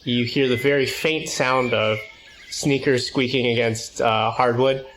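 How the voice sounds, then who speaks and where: A man's voice: medium pitch, fairly even intonation, measured pace, fairly bright tone, slight background noise, rough recording. A man playing a tabletop game, improvising a description of his character's actions.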